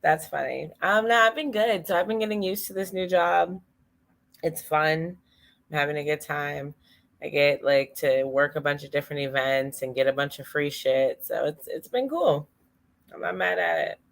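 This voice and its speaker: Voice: mid-range voice, moderate pace, vocal fry, fairly bright tone. A laid-back podcast host opening the show and chatting casually, laughing easily. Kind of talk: casual chat.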